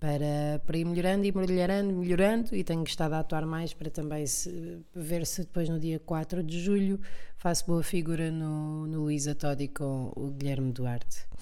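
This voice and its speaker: In a European Portuguese accent, a woman with a very deep, low pitch and dark, mellow tone speaks at a moderate pace with ordinary pitch variation and audible room echo. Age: 30s. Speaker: comedian. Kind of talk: casual monologue.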